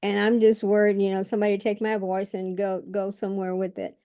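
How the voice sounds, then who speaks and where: A woman's voice: mid-range voice, monotone, brisk, warm tone, no room sound. A woman introducing herself on a video call, frank and outspoken but a little hesitant. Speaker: workshop participant. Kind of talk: casual self-introduction.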